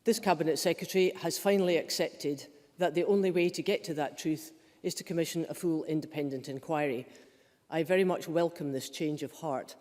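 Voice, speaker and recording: A man's voice: on the high side, a little fast, a little mellow. A man making a formal speech as a parliamentarian in a debating chamber. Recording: reverberant large chamber.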